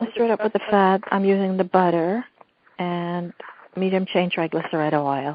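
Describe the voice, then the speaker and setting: A woman talks at a moderate pace and medium pitch in a plain, everyday voice. Her intonation stays fairly even. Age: 60s. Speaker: caller. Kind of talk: call-in question.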